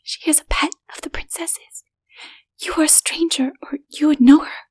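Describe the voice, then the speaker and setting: A female narrator plays a high-voiced, haughty but fearful woman in a dark fantasy storybook. The delivery is breathy and whispery, timid and trembling, with a snobbish streak. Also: fairly even intonation, moderate pace, lightly acted. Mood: hushed fear. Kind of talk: dramatic audiobook reading.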